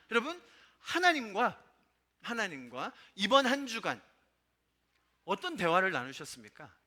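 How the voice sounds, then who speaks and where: Animated, bright-voiced Korean pastor preaching. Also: male voice, sits high. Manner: emphatic, rhetorical questions to the congregation. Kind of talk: sermon. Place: church sanctuary.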